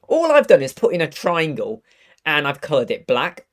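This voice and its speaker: A man in his thirties with a croaky voice from a cold, chatting upbeat through a live web design tutorial. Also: fairly high pitch, wildly swooping pitch, normal speed. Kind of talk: casual live tutorial chat. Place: home studio room with purple lighting.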